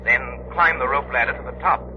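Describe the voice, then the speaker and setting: An actor playing a calm, authoritative crime-fighting hero in 1930s radio drama. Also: male voice, mid-range voice, fairly quick, natural voice. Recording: muffled 1930s radio recording with hiss.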